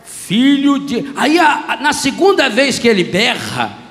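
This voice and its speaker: A Brazilian man with a Brazilian Portuguese accent, preaching a lively, humorous sermon as a priest and acting out voices, in a reverberant church hall. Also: very high-pitched, moderate pace, a little hiss or hum.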